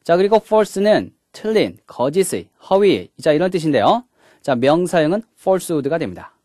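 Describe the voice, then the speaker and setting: A man's voice: a little high, big pitch swings, measured pace, a little mellow, no echo, studio quality. A man giving a recorded English grammar lecture, walking through each point step by step and opening each one with a short "자". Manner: mixes English words into the explanation.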